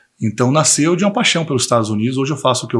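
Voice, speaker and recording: Over a quiet background, a man at medium pitch speaks with lively intonation. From Bahia, Brazil (Porto Seguro). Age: 40s. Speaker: visa consultancy business owner. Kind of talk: interview.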